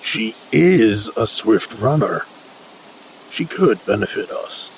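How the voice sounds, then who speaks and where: Gravelly, slow old wolf. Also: male voice, fairly low pitch, sing-song, a little hiss or hum, exaggerated voice, low-quality recording. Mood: thoughtful advising. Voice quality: creaky, gravelly. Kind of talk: dramatic audio fiction acting.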